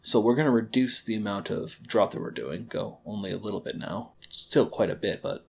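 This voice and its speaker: A man teaching a screen-recorded lesson on a quality desk microphone, calmly explaining audio editing and wave theory step by step. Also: lowish voice, a little fast, gravelly, slight background noise. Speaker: library educator.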